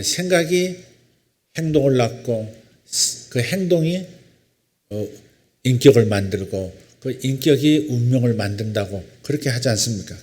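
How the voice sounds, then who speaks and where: A male pastor preaching a sermon, reading scripture slowly and solemnly, then telling a story in a relaxed, conversational way. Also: medium pitch.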